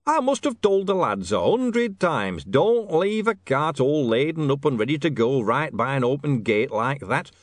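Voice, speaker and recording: A man voicing a gruff, shrewd older self-made businessman with blunt working-class speech, in an audiobook story. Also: medium pitch, sing-song, normal speed, hardly any pauses, dry recording, clean studio sound, pitched above the performer's own voice. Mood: mock astonishment.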